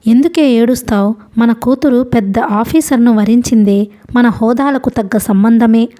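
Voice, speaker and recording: A woman's voice: fairly high pitch, moderate pace, mellow, natural voice. A woman reading the part of a stern, proud wealthy father who speaks harshly and commandingly, in an audiobook.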